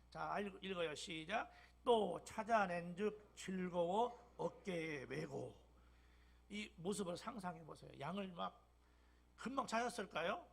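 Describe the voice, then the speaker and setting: Gravelly older Korean pastor preaching. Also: male voice, sits high. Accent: Jeolla dialect. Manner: emphatic preaching with sudden loud bursts and soft whispered drops. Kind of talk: sermon. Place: church sanctuary.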